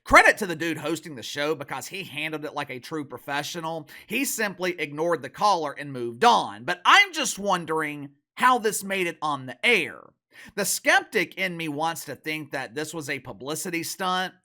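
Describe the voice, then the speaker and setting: Casting: animated male commentary host, forceful bright tone, mocking and opinionated. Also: a little high, moderate pace. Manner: sarcastic, mocking, emphatic.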